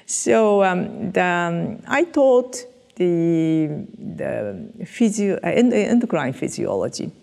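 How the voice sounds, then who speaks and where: An older Japanese woman, a physiologist, is interviewed for an oral history in English, her second language, with a Japanese accent. Her voice is lowish, darkish and sing-song with vocal fry, and she speaks slowly and hesitantly, full of fillers and restarts. A headset mic captures her in a dark indoor studio set, though the sound carries the echo of a large hall.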